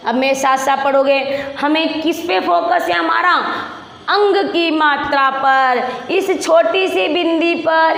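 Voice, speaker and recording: Slow sing-song woman teaching young children. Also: sits high, fairly bright tone. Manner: slow syllable-by-syllable reading, sing-song drawn-out words; coaxing, addresses children as beta. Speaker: primary school Hindi teacher. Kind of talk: reading lesson for young children. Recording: echoey room with long reverb.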